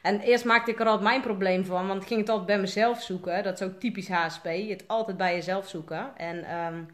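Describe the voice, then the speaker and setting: A woman's voice: medium pitch, fairly even intonation, a little fast, fairly bright tone. Chatty Dutch woman rambling on a livestream. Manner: chatty, rambling, many fillers. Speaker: coach. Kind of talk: casual live video chat.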